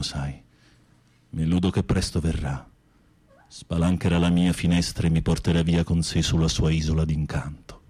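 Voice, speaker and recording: An actor playing a flamboyant gay male prisoner in a radio drama, a theatrical wounded romantic with a husky, breathy voice. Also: extremely low pitch, dark tone, exaggerated voice. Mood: wistful, melancholy. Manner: theatrical, swinging from confiding murmurs to camp exclamations.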